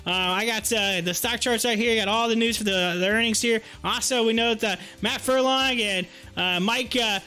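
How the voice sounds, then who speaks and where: Talking to his viewers directly on a livestream, this host offers relaxed, chatty commentary on stock charts as they move. His high voice is clear, sharp, and resonant, at a normal speed with hardly any pauses.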